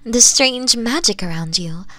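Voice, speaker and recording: A woman voicing a doting, possessive nine-tailed fox woman in an ASMR roleplay, cooing and teasing in a breathy voice that often drops to whispers. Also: a little high, animated, sharp tone, dry recording. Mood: possessive, enamored. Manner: cooing, teasing, slow sultry endearments with giggles.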